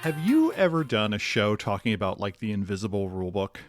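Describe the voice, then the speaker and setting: A man's voice: fairly low pitch, sing-song, brisk, loud music behind the voice. A man appearing as a guest on a gaming podcast, talking casually in a thoughtful, hesitant way.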